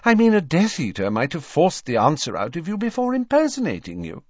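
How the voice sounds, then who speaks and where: A man voicing an anxious, fussy middle-aged witch mother who speaks in a stern, high-pitched way. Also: huge pitch swings, brisk, a little mellow, no room sound. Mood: flustered. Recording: dull, dry lo-fi recording.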